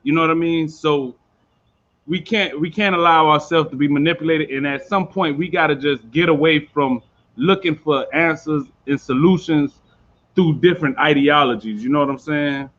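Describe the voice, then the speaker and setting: A man delivers casual, earnest closing remarks in a somewhat high voice. The sound comes through dull, lo-fi call audio. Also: normal speed, a bit bright. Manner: earnest, informal. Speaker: panel guest.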